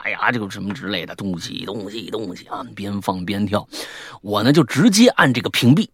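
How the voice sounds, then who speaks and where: A male podcast host reading out a listener's story aloud, animated and full of character voices. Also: brisk, husky, no echo. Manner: lively, mimics characters with sudden high-pitched outbursts.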